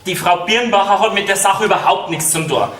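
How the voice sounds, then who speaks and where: A man's voice: high-pitched, a little fast, a bit bright. A young man with a Bavarian accent playing an earnest, apologetic, chivalrous grandson in a folk theatre comedy. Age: young adult. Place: theatre stage before an audience. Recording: distant echoey stage with faint noise.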